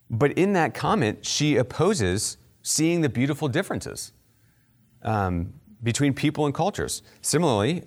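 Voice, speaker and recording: A man from near Baltimore giving a conversational Christian teaching talk, with fillers and light asides. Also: mid-range voice. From United States, near Baltimore. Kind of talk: teaching talk on faith and culture.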